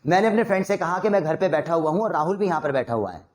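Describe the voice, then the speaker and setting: Man, Indian accent, spoken English teacher, coaxing, fast drills, slightly high voice. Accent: Indian, mixing Hindi and English. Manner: energetic, coaxing drill instructor. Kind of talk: online spoken English lesson.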